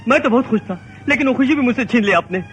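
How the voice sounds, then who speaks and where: A bitter, accusing son. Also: male voice, very high-pitched, expressive, fast, fairly bright tone, slight background noise. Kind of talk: dubbed film acting. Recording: film dub with background score.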